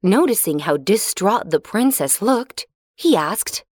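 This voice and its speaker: A woman narrates a children's fairy tale in a clear, expressive storybook voice. Her pitch sits in the middle range. The recording is dry and close. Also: slow pace, no room sound.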